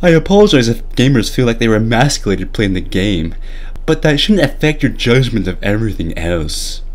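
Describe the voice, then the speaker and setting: A man's voice: mid-range voice, very animated, moderate pace, pitched below the performer's own voice, close to an everyday voice. A young man voicing a self-satisfied, oblivious game director in a mocking, pompous dramatic reading. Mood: smug, defensive.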